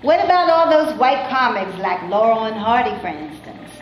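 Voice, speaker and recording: An actress in a staged reading playing a skeptical, sardonic Black actress from the 1930s. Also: female voice, a little high, expressive, moderate pace, lo-fi sound, close to an everyday voice. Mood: wry. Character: Black actress of the 1930s, wary, wry and outspoken. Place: stage before a live audience. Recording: very echoey room, faint noise.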